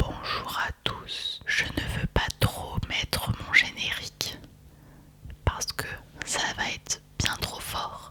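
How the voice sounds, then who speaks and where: A woman whispers over noticeable background noise. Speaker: YouTuber. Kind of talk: ASMR comment reading. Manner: whispered.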